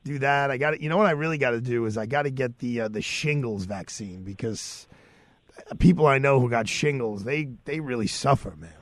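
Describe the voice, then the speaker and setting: A man's voice: medium pitch, fairly quick, no echo. A middle-aged man, hosting a radio show in casual, loose, familiar talk, a little under the weather. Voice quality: raspy. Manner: warm, familiar, loose with fillers. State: slightly sore throat. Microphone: studio microphone.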